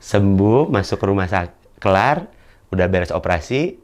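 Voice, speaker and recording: A young man, performing a stand-up storytelling monologue. He acts out the other people in his story with sudden high-pitched shouts. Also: expressive, moderate pace. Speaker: stand-up comedian.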